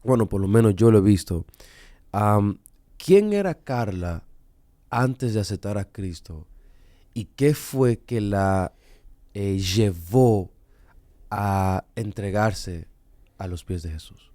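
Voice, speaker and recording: A man's voice: fairly low pitch, expressive, slow pace, pauses often, mellow, dry recording, clean studio sound. A man hosting a Christian radio interview, asking questions and affirming his guest often with praise. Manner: affirming with "wow" and "gloria a Dios". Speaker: radio host. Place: studio.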